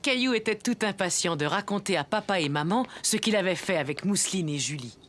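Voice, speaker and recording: A woman narrating a children's cartoon as a gentle storyteller, reading scripted French story lines. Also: mid-range voice, animated, brisk, slight background noise, natural voice. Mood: gentle storytelling.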